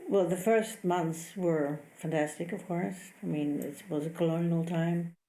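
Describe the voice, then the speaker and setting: A woman's voice: fairly low pitch, steady tone, unhurried, warm tone. A woman, from the Indies, recalling her childhood. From Dutch East Indies. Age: 80s. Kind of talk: interview recollection. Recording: echoey room.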